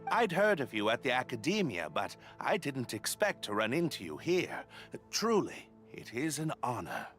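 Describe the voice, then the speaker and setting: A man voicing a polite, flattering yet dismissive expedition leader in a video game, speaking formally. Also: medium pitch, faint music behind. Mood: courteous. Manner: courteous, formal, measured politeness. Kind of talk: English video game voice acting.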